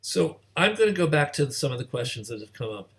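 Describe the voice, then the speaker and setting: A man's voice: mid-range voice, very animated, fast. A man hosting an informal discussion, hesitant and self-deprecating, repeating words as he thinks aloud. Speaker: host moderating a panel discussion. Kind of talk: informal interview conversation.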